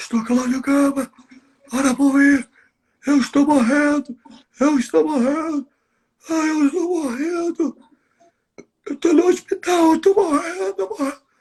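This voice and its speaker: A man uses a put-on character voice at an extremely high pitch. His pace is moderate, with long, frequent pauses. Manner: desperate, voice fading weakly.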